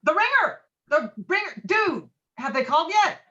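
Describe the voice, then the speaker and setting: A woman playing a brash, bossy, hot-headed man in a script table read, forceful and emphatic. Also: very high-pitched, sing-song, normal speed, dull audio, exaggerated voice. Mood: impatient, bossy. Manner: forceful, emphatic, repeating himself.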